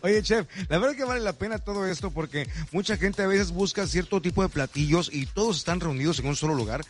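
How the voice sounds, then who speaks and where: Brief: Mexican male co-host, high husky voice, friendly questions to the guest. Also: a little fast. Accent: Mexican Spanish. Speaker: radio host. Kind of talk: live radio remote hosting.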